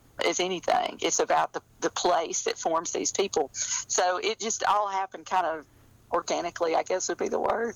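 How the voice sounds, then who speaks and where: A woman with an Alabama accent at a moderate pace. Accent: Southern US (Alabama). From rural Alabama. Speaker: novelist and magazine editor. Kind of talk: interview.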